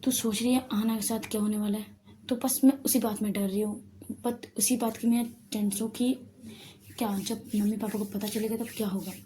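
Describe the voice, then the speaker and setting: Woman doing a teasing young sister who gets all earnest, soft mellow tone, storybook. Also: mid-range voice, steady tone, brisk, a little hiss or hum, natural voice. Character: young woman, playful friend and anxious sister.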